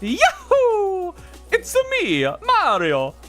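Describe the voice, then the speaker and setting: A put-on character voice pitched extremely high, with clear music playing in the background. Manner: cheerful, excited, put-on.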